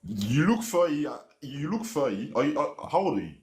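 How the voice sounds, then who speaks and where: A man with a British accent, a native French speaker, talks in a dismissive, confrontational way, and his pitch swings widely. His voice sounds roomy and echoey. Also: very animated, moderate pace. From Ivory Coast. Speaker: live stream guest. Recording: roomy echo.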